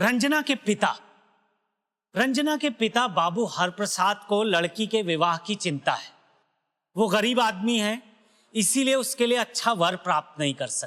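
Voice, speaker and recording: On a very clean recording with a silent background, a man speaks in a bright, sharp tone, high in pitch, with lively intonation. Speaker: actor. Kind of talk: dramatic reading / story narration.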